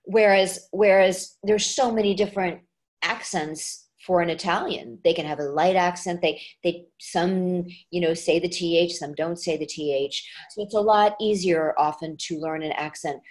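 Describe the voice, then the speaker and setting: A woman's voice: lowish voice, normal speed. A woman dialect coach and actress, talking casually in an interview with many restarts and fillers.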